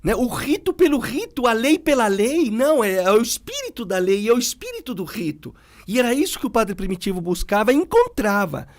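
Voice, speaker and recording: A middle-aged man, a priest, talking in a relaxed way and telling stories, acting out the people he quotes. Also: very high voice, fairly quick. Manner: animated, acts out quoted people. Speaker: priest guest. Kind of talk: conversational storytelling.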